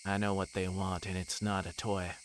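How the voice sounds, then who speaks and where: A man with a low voice streams a visual novel, reading the story aloud live at normal speed and adding asides. Now and then he stumbles over a line and fixes it. The audio is poor, with steady noise behind him.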